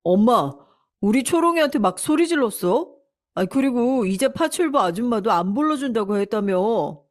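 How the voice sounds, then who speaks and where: A woman's voice: on the high side, expressive, moderate pace, voice pushed up, lightly acted. A woman doing an angry huffy young husband. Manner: huffy, complaining. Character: angry young husband defending his wife.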